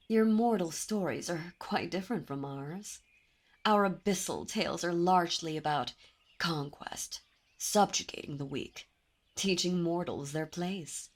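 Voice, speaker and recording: A woman voicing a dominant, possessive demon princess in an ASMR roleplay, speaking in a silky, commanding way with soft whispers. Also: lowish voice. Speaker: voice actor. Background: birdsong and ambient sound effects.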